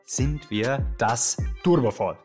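An excitable, euphoric Yugoslav radio host with music clearly behind him. He presents in a theatrical, rambling way, in a mid-pitched voice that can swing between intimate and loud. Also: slow pace. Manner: theatrical, rambling, exuberant, switching from hushed to shouting. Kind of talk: live radio show moderation.

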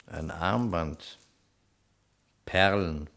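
An actor playing a wry, probing police detective in a German radio crime play, questioning sceptically. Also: male voice, deep voice, very slow, creaky, fairly bright tone, heavily acted. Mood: wry, doubtful.

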